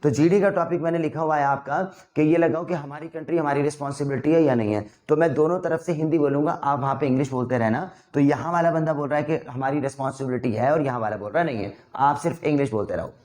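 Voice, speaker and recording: A young man teaching spoken English in a classroom, firing off practice sentences at a quick clip for the students to translate. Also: a little high, darkish tone. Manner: brisk, rapid-fire drilling sentences. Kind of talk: classroom drill lesson. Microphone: recorded in a classroom.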